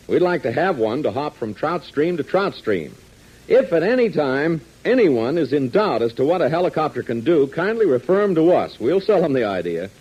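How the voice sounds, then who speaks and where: A man's voice: a little high, a little mellow, husky. A man announcing and narrating a 1940s radio serial in a dramatic, emphatic style. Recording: muffled old radio transcription.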